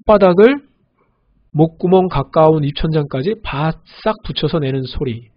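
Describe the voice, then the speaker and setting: A man giving a recorded language lesson on pronunciation, patiently repeating example words slowly. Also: a little high, animated. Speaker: language teacher. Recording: dull lo-fi audio.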